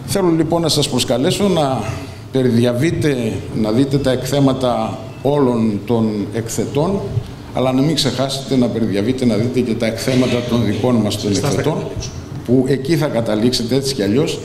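A man's voice: medium pitch, a little mellow. An older man making loose, conversational remarks at a podium, inviting guests around the fair. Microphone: podium microphone. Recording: echoey hall, faint noise.

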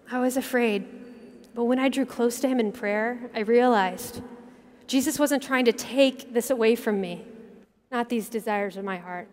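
A woman in her thirties delivers an earnest keynote from a big arena stage, her fairly high voice carried by a headset mic. She speaks in measured phrases with dramatic pauses, dropping softer as she tells a story. A long reverb trails each line through the hall. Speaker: keynote speaker, religious sister. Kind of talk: inspirational keynote speech. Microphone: headset mic at a podium.

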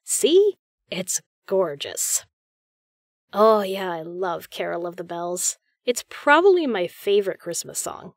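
A woman's voice: mid-range voice, dry recording, studio quality, close to an everyday voice. A woman playing a friendly, chatty, reassuring female caroler in a one-sided roleplay audio conversation. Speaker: voice actor.

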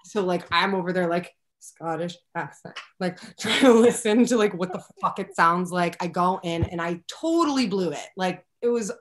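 A young woman, an actor, talking candidly and animatedly with fillers as a guest on a video call from a room at home. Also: lowish voice. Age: young adult. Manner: animated, expressive, talks fast with many fillers. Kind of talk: candid conversational interview. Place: home room with a window, indoors. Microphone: laptop webcam on a video call.

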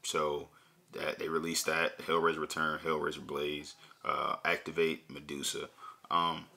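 A man's voice: rumbling low, completely flat delivery, unhurried, vocal fry, pushed and bright. A young man hosting a bowling channel, chatting casually at home with a laid-back, rambling manner and many fillers. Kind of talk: casual review chat. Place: home room with shelves, indoors.

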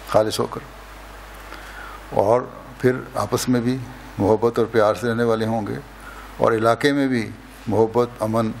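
An older man speaks in a slow, measured, solemn way, leaving long pauses between phrases as he preaches. His voice sits at an ordinary middle pitch. He is recorded close on a lectern microphone indoors, with a faint hiss underneath. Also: vocal fry. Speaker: religious leader giving an address. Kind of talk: sermon at a mosque opening. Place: indoors, mosque hall lectern.

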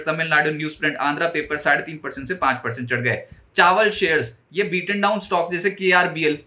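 A man in his forties with an Indian accent presenting a stock market roundup, briskly and emphatically reeling off figures. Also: on the high side, sharp tone. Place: studio, indoors before a branded backdrop.

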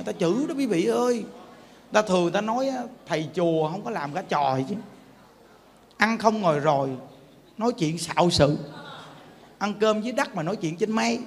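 A man with a Southern Vietnamese accent, a Buddhist monk giving a sermon in a colloquial, joking way and often asking his listeners questions. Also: sits high. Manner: colloquial and joking, peppers talk with questions to the audience. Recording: long hall reverb, faint background noise.

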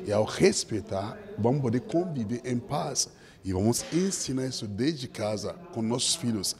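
A man's voice: medium pitch, lively intonation, normal speed, darkish tone. A man earnestly explaining a point in an interview at an event, speaking into a handheld mic. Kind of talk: interview answer. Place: indoor event venue.

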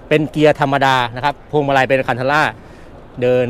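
A man's voice: mid-range voice, level tone, brisk, slight background noise. Chatty man touring a car at an expo. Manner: chatty, repeats points, ends phrases with polite particles. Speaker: car show presenter. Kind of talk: casual walkaround car tour. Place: busy indoor motor expo hall. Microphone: handheld camera mic, presenter off camera.

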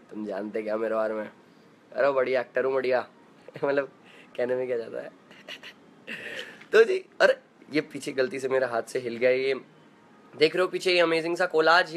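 A man's voice: mid-range voice, fairly bright tone. Chatty young man greeting live viewers. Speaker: live-stream host. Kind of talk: casual live chat reading comments. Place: home room.

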